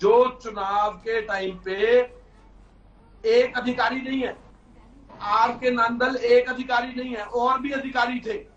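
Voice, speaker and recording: A man's voice: very high voice, steady tone, takes it slowly, fairly bright tone. Man with heavy cave-like echo. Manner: insistent, accusing, raises voice. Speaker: political panelist. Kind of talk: heated remote debate statement. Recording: echoey distant dull remote line.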